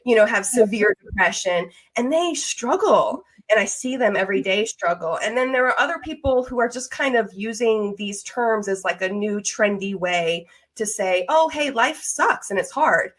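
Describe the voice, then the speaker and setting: Expressive American woman in podcast conversation. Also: medium pitch, normal speed, few pauses, low-quality recording.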